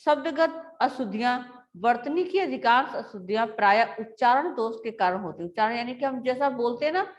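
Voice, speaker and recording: A woman teacher giving a grammar lesson to schoolchildren, explaining slowly and repeating words aloud. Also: fairly high pitch, animated.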